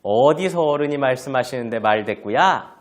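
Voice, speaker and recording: A man playing a loud scolding mother. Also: mid-range voice, expressive, moderate pace, lightly acted. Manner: loud, shouting-style scolding. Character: angry scolding mother, middle-aged woman.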